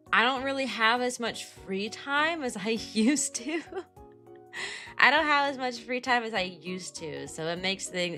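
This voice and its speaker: A young woman streaming and chatting casually with her viewers, her voice raspy and tired from teaching, greeting viewers by name in quick bursts. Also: mid-range voice, bright, forceful tone. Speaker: VTuber streamer.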